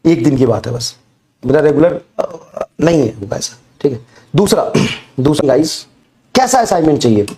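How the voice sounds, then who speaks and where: A man teaching a recorded online class while ill with fever. His voice cracks, his energy is low, and he repeats himself and coaxes students with rhetorical questions. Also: big pitch swings, normal speed, dark tone.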